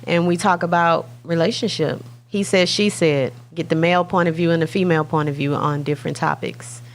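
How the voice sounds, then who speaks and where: A woman's voice: fairly low pitch, steady tone, a little fast, slight background noise. A woman, a talent agency head, talking casually about her agency and podcast as a guest. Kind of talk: casual chat.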